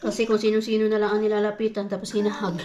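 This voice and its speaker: A woman's voice: mid-range voice, monotone, rapid-fire, noisy background. A woman from the Philippines chatting casually in a home vlog, switching to a sing-song voice when talking to her toddler. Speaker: vlogger mom.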